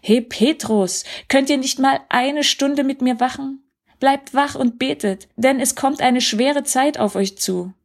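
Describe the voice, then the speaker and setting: A woman voicing Jesus, gentle and sorrowful. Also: medium pitch, a little slow. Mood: earnest.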